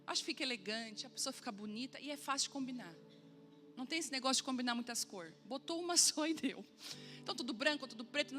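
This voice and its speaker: A woman pastor preaching a sermon, telling a funny personal story and acting out the dialogue with lively humor. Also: sits high, fast, soft background music.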